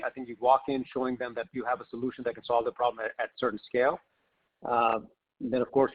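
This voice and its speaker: A man speaking as a company executive, answering questions off the cuff on an investor conference call in a conversational way peppered with "you know". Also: mid-range voice. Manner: conversational, often says "you know" and "right". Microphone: conference call line. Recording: slightly muffled conference call audio.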